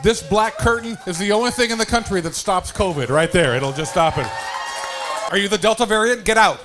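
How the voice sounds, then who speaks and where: A man's voice: sits high, brisk, over music, crowd noise. A man doing a stand-up set, stammering and repeating words while laughing at his own jokes. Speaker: stand-up comedian.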